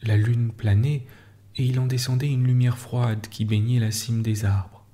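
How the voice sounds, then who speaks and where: A man reading a literary story aloud in a calm, slow bedtime style, sometimes dropping to a whisper, close to the mic. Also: mid-range voice. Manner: slow, hushed, soothing delivery, dropping at times to a whisper. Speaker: narrator.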